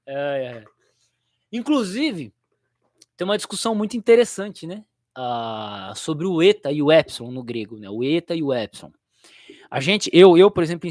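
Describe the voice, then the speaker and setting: A man's voice: on the high side, darkish tone, no echo, clean studio sound. A young Brazilian man who teaches theology, chatting casually on his livestream in a rambling, slangy way and laughing easily.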